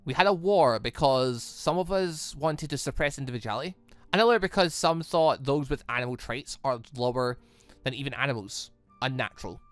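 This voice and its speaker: A game player voicing a grave, worried male military commander with a measured, solemn and formal delivery. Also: medium pitch, no echo, lightly acted.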